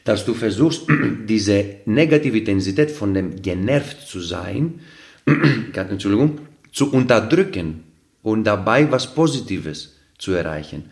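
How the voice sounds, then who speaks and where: A man with a slightly low voice who is not a native speaker talks as a podcast guest. He explains things earnestly, one everyday example after another, with frequent fillers and restarts as he hunts for the right word. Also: expressive, a little slow, gravelly. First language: not German. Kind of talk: casual explanatory talk.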